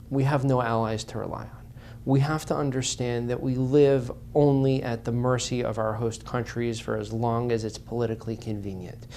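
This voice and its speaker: A man giving an earnest interview as a guest, his voice at an everyday middle pitch. He talks with passion and piles up repeated phrases to drive his points home. A faint hiss sits behind him. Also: a little mellow. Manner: impassioned, repeats phrases for emphasis.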